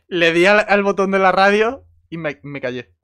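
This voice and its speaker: A man's voice: high voice, measured pace, pushed and bright, clean tone. Sweary Spanish man swapping casual gamer anecdotes. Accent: Spain. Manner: colloquial, sweary. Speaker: online roleplay gamer.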